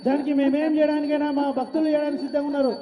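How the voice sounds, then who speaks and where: A man makes urgent, formal pleas to an oracle. His voice is very high and even in melody, and he talks fast. The space around him echoes. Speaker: questioner petitioning the oracle.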